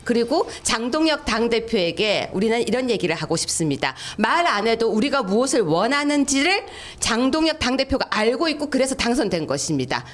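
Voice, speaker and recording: A woman in her fifties speaking fervently on a political panel, in a speechlike way. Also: a little high. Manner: fervent, speechlike, stumbles over names with laughing slips. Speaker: professor and political YouTuber.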